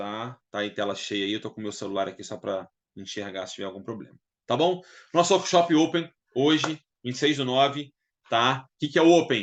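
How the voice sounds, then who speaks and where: A man's voice makes very wide pitch swings along with big swings in loudness. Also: medium pitch for a man, moderate pace, quiet background. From Brazil, Rio de Janeiro. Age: 40s. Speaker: leadership trainer. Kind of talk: online workshop presentation. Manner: casual, conversational.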